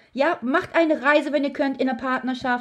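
A woman with a high voice speaks in an animated tone at a fairly quick clip, with ordinary pitch variation and a quiet background. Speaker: tarot reader. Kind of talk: tarot reading monologue. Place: home room. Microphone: phone near.

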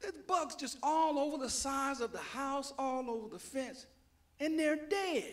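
A man's extremely high-pitched voice with an American accent, ordinary pitch variation and a moderate pace against a quiet background. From South Carolina. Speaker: preacher. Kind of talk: sermon. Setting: church. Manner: halting. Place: church. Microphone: handheld.

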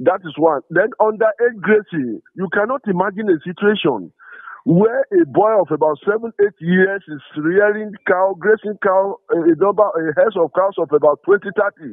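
Speaking with a Nigerian accent, a man with a high pitch keeps a moderate pace, ordinary pitch variation and hardly any pauses. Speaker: government security adviser. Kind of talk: news interview. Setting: remote call. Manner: halting.

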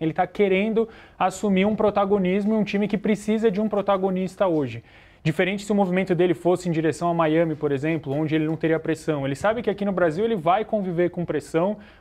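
A high-pitched man at a very fast pace, with ordinary pitch variation. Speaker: football tactics analyst. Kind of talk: casual sports talk show. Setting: TV studio.

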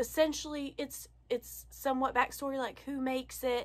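The speaker is a woman. Her pace is moderate. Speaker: online reseller vlogger. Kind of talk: casual vlog chat. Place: home room. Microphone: phone near.

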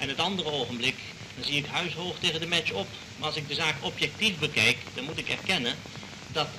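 A man talks at a fairly quick pace in a fairly high pitch with lively intonation. Noticeable background noise can be heard. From Netherlands. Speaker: chess grandmaster and world champion. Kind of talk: radio interview answer. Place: studio. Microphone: old recording.

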